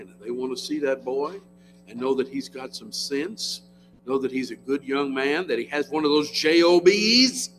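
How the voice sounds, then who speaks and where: A man's voice: mid-range voice, low-quality recording. An American man in his seventies preaching a sermon to a congregation in a folksy, plain-spoken, emphatic way, often putting questions to his listeners. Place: church, in front of a congregation.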